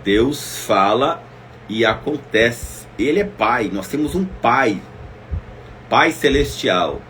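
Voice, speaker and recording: Male preacher, middle-pitched, intimate and emotive, addresses the listener directly; faint room hum. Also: animated, slow pace. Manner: emotive, swings between loud exclamations and soft asides; speaks directly to listeners as "minha irmã". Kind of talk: devotional Bible teaching.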